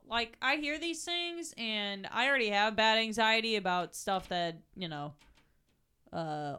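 A woman's voice: medium pitch, a bit bright, clean tone. A woman in casual chat, rambling with lots of filler words.

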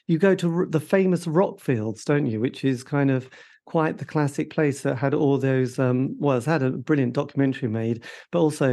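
Mellow-voiced male interviewer. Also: mid-range voice. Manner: leading questions with tag questions. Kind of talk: casual interview.

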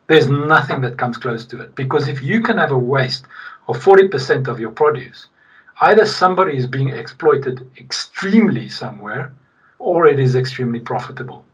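A man's voice: mid-range voice, animated, normal speed, a bit bright, slightly rough. A man from South Africa with a South African accent, talking conversationally as an interview guest, emphatic and repeating key points for weight. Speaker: podcast guest, logistics technology executive. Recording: distant, slightly muffled mic.

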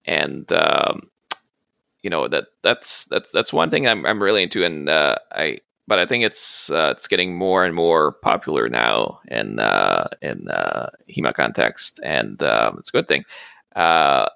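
A man's voice: a bass voice, very animated, measured pace, creaky, pushed and bright, clean tone, no echo, dull audio. A man whose first language is French, talking as a podcast guest, hesitant, with many fillers and restarts. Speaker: guest, martial arts practitioner. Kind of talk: casual interview talk.

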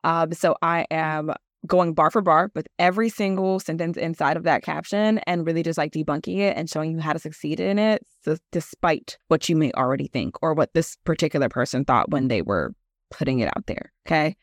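A woman's voice: low voice, brisk, no room sound, clean studio sound. A woman with a nasal voice and a chatty manner, teaching a casual solo podcast class as host and model coach, with many fillers.

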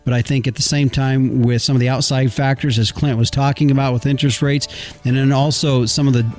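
A man's voice: medium pitch, steady tone, a little fast, darkish tone, soft background music. A man hosting a radio show in a conversational, folksy and informal way.

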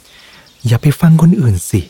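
A man's voice: fairly low pitch, steady tone, moderate pace, dark tone, breathy edge. A man doing a small earnest mouse. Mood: encouraging. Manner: earnest, urging. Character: small loyal encouraging mouse friend.

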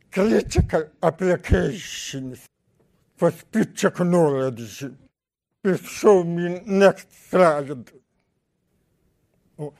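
A man with a strong Russian accent giving a conference talk as a research scientist, speaking slowly in halting, deliberate phrases. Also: high-pitched. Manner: slow, deliberate, halting speech.

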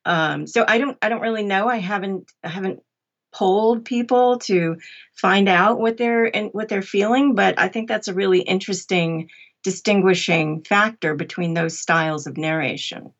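A woman's voice: medium pitch, normal speed, fairly bright tone, dull audio. A woman speaking thoughtfully as a narrator being interviewed. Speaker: audiobook narrator, interview guest.

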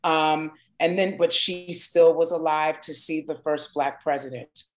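A woman in her forties from New York, a singer chatting as a guest in an interview and telling stories in an expressive, emphatic way. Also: low voice, a little slow. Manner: warm, expressive storyteller with emphatic asides. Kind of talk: casual interview chat.

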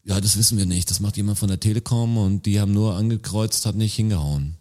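A man's voice: fairly low pitch, fast, warm tone. A man casually telling friends an exasperated story about a phone call, quoting both sides of the conversation. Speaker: podcast co-host. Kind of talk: casual anecdote among friends.

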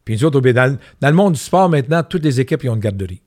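A man's voice: medium pitch, lively intonation, fast, a little mellow, no echo, studio quality. An older man with a Québécois French accent, a guest giving candid interview answers and telling anecdotes with emphatic repetitions.

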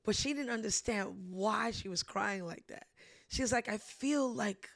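A woman hosting a casual faith discussion, telling stories with lively animation and frequent laughs. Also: medium pitch, measured pace, creaky, dry recording, clean studio sound. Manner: animated storytelling, laughs often. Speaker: ministry host.

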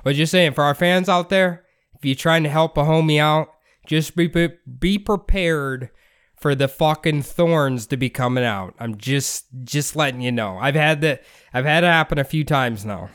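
A man's voice: on the high side, normal speed, fairly bright tone, clear, resonant tone. A man hosting a podcast, telling a story in a laid-back, casual way, swearing and laughing often. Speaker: podcast host.

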